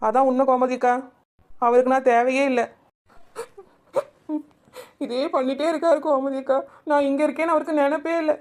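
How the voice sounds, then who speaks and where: A woman's voice: high-pitched, little pitch movement, natural voice. A woman playing a young village wife who banters sharply with her neighbours and feels let down by her husband. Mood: hurt. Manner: quick, sharp-tongued teasing, then wounded. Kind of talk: village family drama acting.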